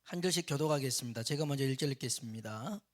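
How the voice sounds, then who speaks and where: A middle-aged man preaching a sermon as pastor, telling stories in a lively way and acting out the people in them. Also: medium pitch, fast. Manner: lively storytelling, acting out characters. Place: church sanctuary.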